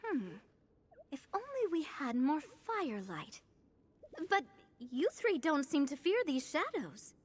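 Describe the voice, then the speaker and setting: A pompous giraffe king, high and slow, very swoopy delivery, video game. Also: sing-song, slight background noise. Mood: regal. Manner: stately, pompous phrasing. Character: regal, grandiose giraffe king of a fairy tale.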